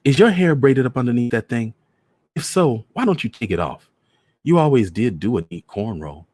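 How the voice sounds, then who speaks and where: A man voicing a sharp-tongued, militant grown daughter with a blunt, scornful manner in a story reading. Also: mid-range voice, sing-song, normal speed, slightly rough, no echo, pitched above the performer's own voice. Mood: needling. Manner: cutting, blunt.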